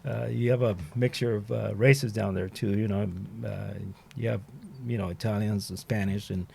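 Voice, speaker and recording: A middle-aged man, a retired firefighter and fire training instructor, telling stories in casual conversation, rambling and filling every pause with "you know". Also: fairly low pitch, steady tone, creaky, warm tone, breathy edge.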